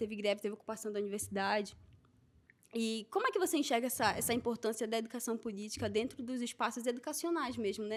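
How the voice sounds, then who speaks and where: A woman with a slight Pará accent talks at a very fast pace, her pitch fairly high and varying in an ordinary way. Her tone is bright and sharp. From Pará, northern Brazil. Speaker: podcast host. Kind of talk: interview.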